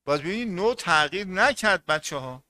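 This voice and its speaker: Man, online teacher, fairly high voice, bright, repeats key points, questions students. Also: lively intonation. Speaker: English teacher.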